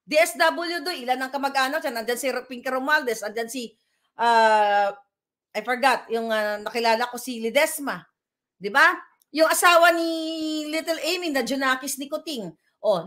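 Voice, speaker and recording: Woman vlogger, high voice, combative and scornful, ranting from home. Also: normal speed, pushed and bright. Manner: combative, scornful, code-switching with English. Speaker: political vlogger. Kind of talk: casual political rant.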